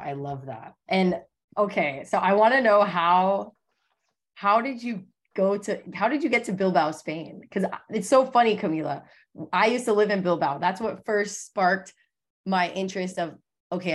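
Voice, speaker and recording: A woman's voice: lowish voice, normal speed. An American woman hosting a podcast interview, upbeat and chatty as she introduces the show and asks questions. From United States. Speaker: podcast host.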